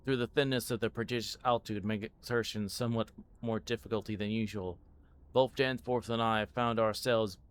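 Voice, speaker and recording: A man reading a story aloud live in audiobook style, halting now and then and stumbling over words. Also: lowish voice, clean tone.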